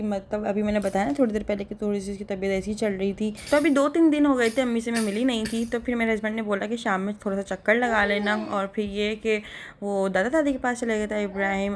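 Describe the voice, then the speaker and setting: A woman's voice: mid-range voice, slight background noise. A young woman, narrating a casual vlog voice-over in a chatty, rambling way and laughing often. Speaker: vlogger.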